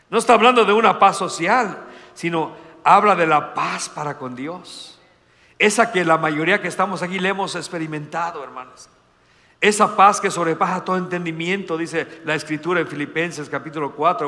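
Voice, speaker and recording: A male pastor preaching a sermon, swinging between loud emphatic lines and hushed, slow ones. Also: sits high, in a large hall.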